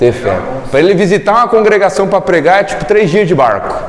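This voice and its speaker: A man with a high pitch at a fairly quick pace, amid audible room echo and noticeable background noise. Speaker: Bible teacher. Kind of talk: lecture. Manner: fast.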